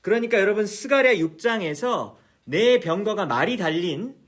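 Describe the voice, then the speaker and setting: Man, church Bible study teacher, high-pitched, animated, patient explainer, repeats key words. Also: normal speed. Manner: asks the listeners many questions; mixes English words into explanations.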